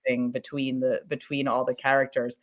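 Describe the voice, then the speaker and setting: A woman's voice: very deep voice, little pitch movement, brisk, lo-fi sound. A woman speaking as a podcast producer in an informal panel discussion, enthusiastic, affirming and emphatic.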